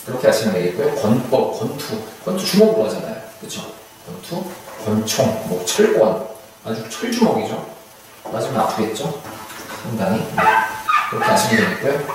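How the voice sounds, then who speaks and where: A man's voice: mid-range voice, sing-song, moderate pace. A male instructor giving a recorded lecture, chatty, who keeps asking his students questions and then answering them himself. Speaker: hanja certification instructor. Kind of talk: online video lecture. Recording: echoey room, mic far off, faint hiss.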